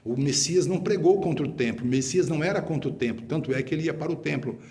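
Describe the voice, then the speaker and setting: A man's voice: a little high, quick pace, a little mellow. Man preaching a rebuking sermon. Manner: emphatic, rebuking, repeats phrases for stress. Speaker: apostle preacher.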